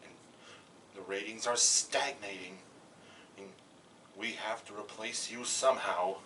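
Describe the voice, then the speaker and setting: A man playing a matter-of-fact film producer, speaking haltingly in an amateur cartoon parody. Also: on the low side, bright, forceful tone, recorded from a distance, a little hiss or hum, pitched below the performer's own voice, low-quality recording.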